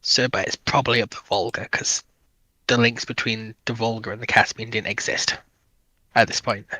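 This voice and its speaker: A man on a discussion panel, making precise, measured corrections in casual conversation. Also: on the low side, steady tone, bright, forceful tone, no room sound, rough recording.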